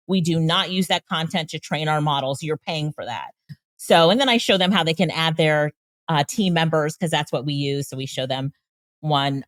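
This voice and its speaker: A woman's voice: lowish voice, dry recording. A woman guest on an interview show, explaining tools with enthusiasm and frequent laughs. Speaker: guest, AI trainer and consultant. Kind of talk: casual interview talk.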